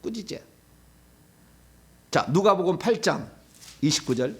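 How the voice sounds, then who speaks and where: A middle-aged male pastor giving a sermon, preaching animatedly and acting out demons' pleas and shouted commands. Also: high-pitched, animated, a little slow, husky.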